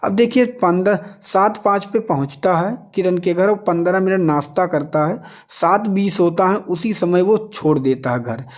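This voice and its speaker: A man's voice: high voice, moderate pace, hardly any pauses. A man teaching an exam lesson step by step, asking questions, answering them himself and repeating key figures.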